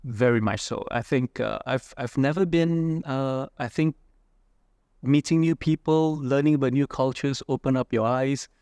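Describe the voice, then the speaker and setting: A man from Indonesia talks through his views as a guest in a casual interview. His voice has a gravelly edge, and the recording is dry and close. He thinks aloud, with fillers and frequent "right?" checks. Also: mid-range voice, normal speed, darkish tone, no echo. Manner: reflective, many fillers and "right?" tags. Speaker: entrepreneur guest.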